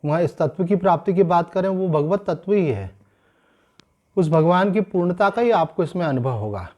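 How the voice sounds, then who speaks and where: A man, a swami giving a sermon-style scripture discourse, explaining calmly and slowing down to stress key points. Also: sits high, muffled recording. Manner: calm explanatory teaching, mixing in English phrases, slows to stress points.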